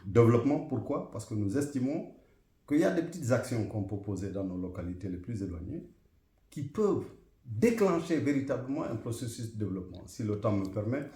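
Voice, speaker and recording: A middle-aged man from Guinea, answering interview questions in a measured, formal way with frequent hesitations. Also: mid-range voice, sing-song, dark tone, echoey room. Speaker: interview guest, association president.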